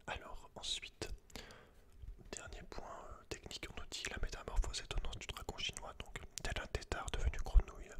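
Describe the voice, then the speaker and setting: Whispering man, soft ASMR delivery. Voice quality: breathy, unvoiced whisper. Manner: informal, slangy, chatty asides. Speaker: host of an ASMR channel. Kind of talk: whispered ASMR, reading aloud with casual commentary. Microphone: close ASMR microphone.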